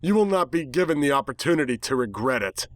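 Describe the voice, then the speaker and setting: A man's voice: big pitch swings, fast talker, no echo, studio quality, natural voice. A man voicing a malicious, arrogant female smoke-pony villain full of disdain in a dramatic story reading. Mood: scornful, menacing. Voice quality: deep feminine voice as narrated, scornful delivery.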